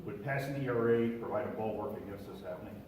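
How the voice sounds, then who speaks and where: Man, audience question, formal, quick pace, distant, echoey hall. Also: fairly low pitch, very noisy. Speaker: audience member asking a question. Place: church hall at a public meeting.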